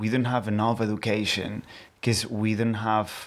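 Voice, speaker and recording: Speech in a Catalan accent, delivered at a fairly quick pace. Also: man. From Catalonia, Spain. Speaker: stand-up comedian. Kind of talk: casual interview chat.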